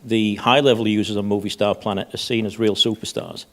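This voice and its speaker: A man speaking on a conference panel as a head of safety, halting and often repeating words. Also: on the low side, fairly even intonation, a bit bright. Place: conference stage.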